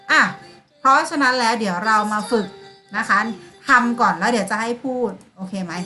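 Bright-voiced woman teaching a class. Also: fairly high pitch. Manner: addresses pupils by name, acts out sample replies. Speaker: primary school teacher. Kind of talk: online class lesson.

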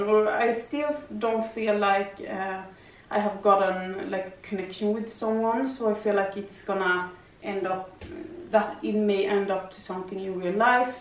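A young woman with a foreign accent chatting casually in a rambling way, full of fillers and tag questions, while doing yoga in her living room. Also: on the high side. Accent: non-native English, lives in Sweden. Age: young adult. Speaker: vlogger. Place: living room with slanted ceiling, indoors. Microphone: far camera. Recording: roomy, distant, dull camera audio.

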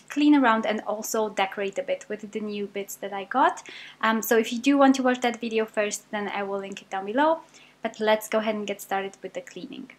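Chatty young British woman, fairly high voice. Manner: chatty, upbeat, many ums. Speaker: cleaning vlogger. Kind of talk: casual voice-over narration.

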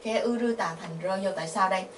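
Vietnamese woman teaching Korean grammar. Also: mid-range voice. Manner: patient, asks the class questions, repeats syllables slowly. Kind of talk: explaining grammar. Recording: echoey, from a distance, faint noise.

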